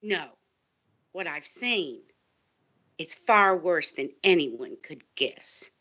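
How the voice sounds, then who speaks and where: A woman's voice: on the low side, expressive, slow, a bit bright, exaggerated voice. A woman playing a conspiratorial whistleblowing librarian, urgent and portentous, in a scripted audio drama. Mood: grave.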